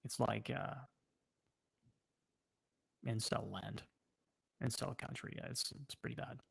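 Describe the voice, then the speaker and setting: A man with a French accent, a native French speaker, chatting casually on a livestream and answering viewers in a halting way, often pausing mid-sentence. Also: mid-range voice, steady tone, gravelly, a bit bright, husky. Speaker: livestream host.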